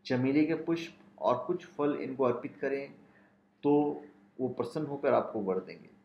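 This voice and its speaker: A man's voice: medium pitch, lively intonation, gravelly. A man hosting a spiritual channel, explaining a ritual step by step and reciting mantras and long lists of names in a chanting cadence. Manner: measured, listing names one by one in a chanting cadence. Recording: roomy, dull lo-fi sound.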